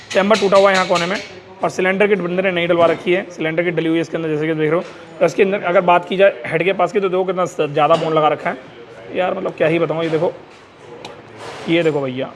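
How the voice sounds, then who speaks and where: Fast-talking, high-voiced mechanic man. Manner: quick, informal, repeats points while pointing things out. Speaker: motorcycle mechanic and channel host. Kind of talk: casual workshop walkthrough. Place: motorcycle workshop.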